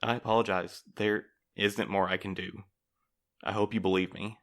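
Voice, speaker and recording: A man playing a guarded postmaster in an audio drama, speaking in a measured, formal and evasive way. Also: on the low side, flat delivery, a bit bright. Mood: apologetic. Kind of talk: audio fiction acting.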